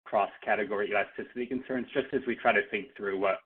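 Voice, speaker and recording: A male analyst with a lowish, husky voice puts polite questions on a business call. The audio is thin and phone-like. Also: steady tone, quick pace. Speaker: financial analyst asking questions. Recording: rough narrow phone line.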